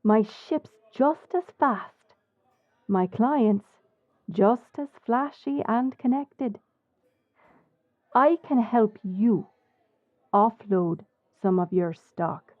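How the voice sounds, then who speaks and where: A woman with an Irish accent playing a bold, sly smuggler captain in an audio drama, composed and cheeky in a measured way. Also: fairly high pitch, animated, no echo, narrow, tinny audio. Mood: earnest, persuasive. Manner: measured, deliberate. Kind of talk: audio roleplay acting with story narration.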